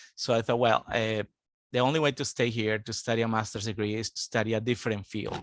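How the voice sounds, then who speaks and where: In a Colombian accent, a man talks at a very fast pace with a medium pitch and monotone, flat intonation, the sound dry and close with no echo. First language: Spanish. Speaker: international student advisor. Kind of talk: interview.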